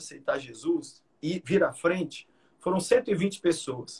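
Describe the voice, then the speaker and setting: This man has a high pitch and lively intonation. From Brazil. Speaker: youth pastor. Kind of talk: casual chat. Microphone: video call.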